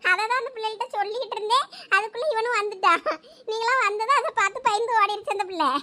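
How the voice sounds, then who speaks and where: A young comic skit actor plays a giggly, talkative college girl teasing her friend in a village comedy sketch. She speaks fast in a very high-pitched, bright, pushed voice, full of cheeky, teasing energy.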